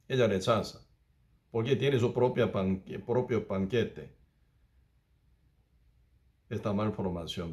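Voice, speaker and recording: A male pastor preaching a Bible study at a middle pitch. He speaks as an in halting phrases, circling back to repeat himself and checking in with his listeners with tag questions. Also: darkish tone. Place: church.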